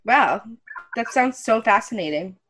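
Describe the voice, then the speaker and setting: A woman's voice: a little high, expressive, a little slow, a bit bright. Upbeat woman podcast host. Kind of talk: scripted intro, then casual interview chat.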